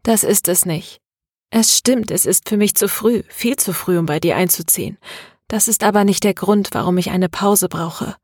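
Woman reading a troubled young woman, earnest and hesitant, kinda husky. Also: medium pitch, moderate pace, darkish tone, no echo, studio quality, close to an everyday voice. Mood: pleading. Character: young woman, tense, troubled, confiding in friend.

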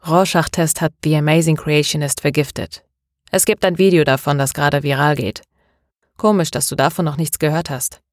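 Woman reading a smooth, worldly middle-aged man. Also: low voice, fairly even intonation, moderate pace, dry recording, clean studio sound, natural voice. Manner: smooth, worldly, careful phrasing.

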